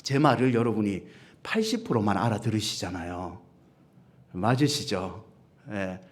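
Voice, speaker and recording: A man's voice: on the low side, lively intonation, a little slow. A man with a Gyeongsang accent preaching a sermon as senior pastor, humorous, often asking the congregation questions. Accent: Gyeongsang Korean. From Gyeongsang region, Korea. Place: church service.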